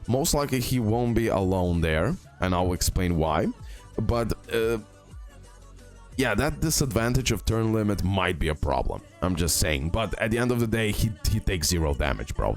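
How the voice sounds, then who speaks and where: A man's voice: fairly low pitch, very animated, normal speed. A man giving casual, informal gaming commentary as a content creator, often repeating himself for emphasis. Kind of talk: casual gaming commentary over a tier list. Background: background music.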